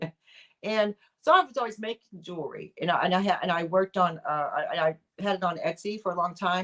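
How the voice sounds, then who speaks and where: A woman speaks at a very fast pace with a medium pitch and fairly even intonation, in an American accent. The sound is dry and close, with no echo. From Texas, Houston area (Fort Bend County). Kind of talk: casual interview chat. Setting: live stream video call.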